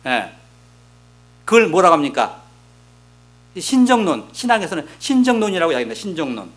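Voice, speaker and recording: A man's voice: fairly high pitch, sing-song, a little fast, fairly bright tone. A middle-aged male pastor preaching a sermon, explaining with rhetorical questions and reading scripture aloud. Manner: reads scripture aloud, voicing the prophets' complaints. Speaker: senior pastor.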